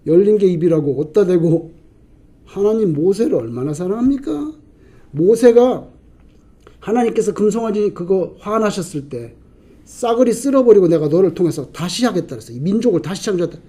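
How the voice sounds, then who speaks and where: In his sermon, this pastor throws rhetorical questions at the congregation and answers them, moving from loud emphasis to quiet asides. His high voice is expressive with a breathy edge, and he talks a little fast.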